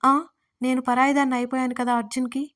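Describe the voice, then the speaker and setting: A hurt young woman, tearful and jealous, pleading through sniffles, as a woman reads her part. She sits high in pitch and sounds close to crying throughout. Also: flat delivery, quick pace, fairly bright tone.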